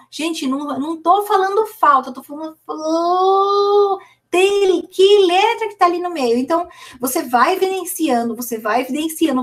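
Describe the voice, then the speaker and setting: A Brazilian woman with a fairly high voice, speaking like a reassuring literacy teacher in a casual live Q&A. She sounds out syllables slowly to show them, and her voice comes from a little away from the mic. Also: recorded from a distance. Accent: Brazilian Portuguese. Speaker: literacy teacher answering viewer questions.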